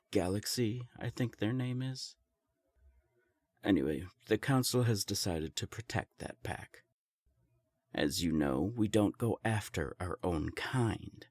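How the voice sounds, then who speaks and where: Man playing a smug, very deep ancient vampire. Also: expressive, a little mellow, no room sound, heavily acted. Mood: commanding, self-assured. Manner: taunting, unhurried, self-assured. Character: smug, ancient, powerful male vampire enforcer. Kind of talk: scripted audio drama acting.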